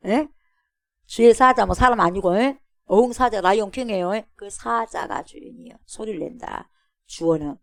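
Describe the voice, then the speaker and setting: A woman pastor giving an animated expository sermon, calling out to her congregation and acting out a roaring lion. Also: mid-range voice, normal speed, gravelly, no room sound, studio quality.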